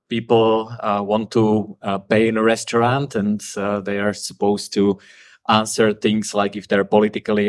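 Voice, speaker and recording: A man giving a talk at a conference, blunt and frank, with frequent "uh" fillers. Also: on the low side. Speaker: conference speaker.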